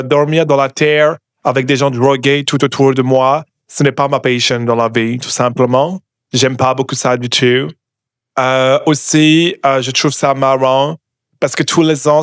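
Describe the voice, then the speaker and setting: A man's voice: mid-range voice, no room sound, clean studio sound, natural voice. A man from Bordeaux hosting a comedy podcast, putting on a fake American accent in French, rude and mock-apologetic, dropping English words in. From Bordeaux, France. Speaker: podcast host.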